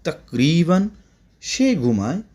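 Male language tutor, native Bengali speaker, drilling Arabic words with a warm, animated delivery. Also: on the high side, slow pace, a little hiss or hum. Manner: repetitive, drilling words, chatty asides. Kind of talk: spoken Arabic lesson for Bangla speakers.

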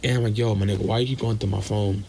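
A young man with a low voice tells a personal story in a casual voice message. He is blunt and curses freely, and acts out the dialogue as he goes. Faint noise sits behind him. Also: steady tone, very fast, creaky, mellow. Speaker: listener sending a voice message.

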